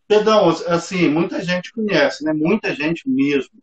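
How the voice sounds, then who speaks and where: A man's voice: a little high, measured pace, reverberant, muffled recording. A man hosting a casual video-call interview, friendly and eager with his questions. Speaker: host.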